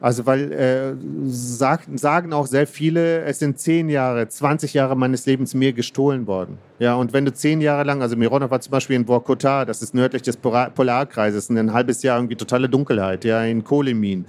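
A man from Kazakhstan speaks as an interviewed author, mid-pitched and measured. He weighs his words, pausing on fillers and restarting sentences as he thinks. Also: darkish tone. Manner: thoughtful, hesitant, many fillers and restarts. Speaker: author guest. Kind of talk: interview answers.

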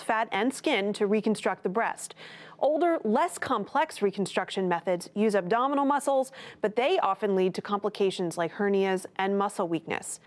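Woman reporting the news, clear. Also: medium pitch. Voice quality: clear explanatory delivery. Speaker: news correspondent. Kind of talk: scripted news report narration.

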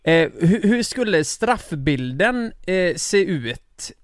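Higher-pitched male host, measured casual talk, dry close mic. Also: sing-song, dry recording. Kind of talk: casual chat.

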